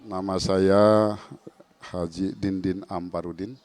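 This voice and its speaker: A middle-aged man, a village head answering as a talk show guest in a halting way, repeating his words. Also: low voice, level tone, a little mellow, no room sound. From Kuningan, West Java.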